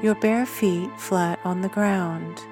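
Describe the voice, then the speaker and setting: A woman leading a guided body scan meditation in a gentle, soothing manner. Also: on the low side, steady tone, slow pace, over music.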